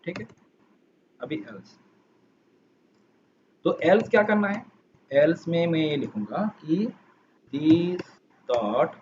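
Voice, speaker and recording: A man's voice: mid-range voice, a little mellow. A man teaching a programming class, talking patiently and repeating steps as he types code, with a dull lo-fi sound and faint noise. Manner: patient, repeats and rephrases while explaining. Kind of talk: coding lesson walkthrough.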